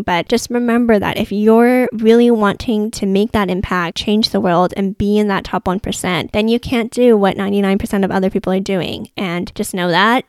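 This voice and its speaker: A woman's voice: medium pitch, a little mellow, smooth, no echo, studio quality. Young woman losing her voice, chatty. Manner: chatty, earnest, many "like" fillers. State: losing her voice, occasional cracks. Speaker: podcast host. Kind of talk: casual solo podcast monologue.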